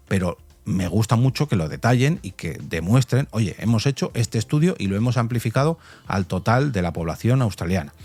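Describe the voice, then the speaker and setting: A man with a mid-pitched voice presents a solo podcast. He explains in a conversational way, often stepping aside to comment. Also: a little mellow. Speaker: podcast host.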